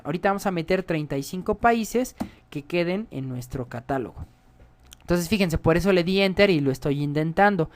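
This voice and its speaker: Chatty man teaching code. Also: high-pitched. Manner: chatty, explains step by step, often asks "¿sale?". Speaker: programming tutor. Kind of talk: screen-recorded coding tutorial.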